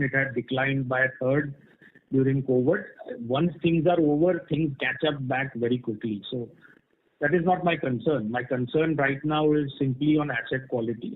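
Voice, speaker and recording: A man's voice: mid-range voice, fairly even intonation, moderate pace. Muffled call-line man, frank executive. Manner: frank, explanatory, often checks with "right?". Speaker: company executive answering analysts' questions. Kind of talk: earnings call question-and-answer, spontaneous explanation. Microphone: conference call. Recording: muffled band-limited conference call line.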